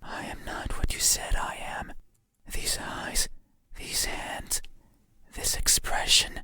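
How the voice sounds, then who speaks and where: A performer voicing a menacing, pleading demon in a horror game, whispering slowly, intimately and insistently in an ASMR style. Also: pushed and bright. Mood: eerie, intimate. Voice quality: breathy unvoiced whisper. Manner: slow, deliberate, intimate, insistent.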